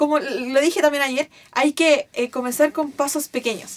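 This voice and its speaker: Against noticeable background noise, a woman speaks in a high voice with a dry, close sound and no echo. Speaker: podcast co-host. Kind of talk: casual chat.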